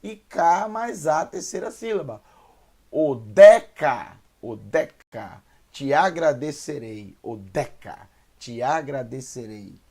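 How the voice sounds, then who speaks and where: A man with a Brazilian Portuguese accent teaching beginner Hebrew, sounding out syllables slowly and repeating each word. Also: medium pitch, animated, darkish tone, breathy edge. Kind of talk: slow beginner language lesson.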